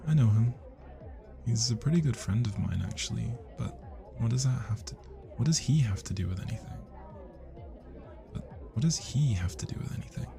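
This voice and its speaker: Shy, smitten British student, played by a man, low and gravelly, soft hesitant ASMR delivery with party music behind. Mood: puzzled, curious. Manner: soft, hesitant, breathy sighs and whispers. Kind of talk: intimate roleplay ASMR acting. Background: party music and crowd chatter.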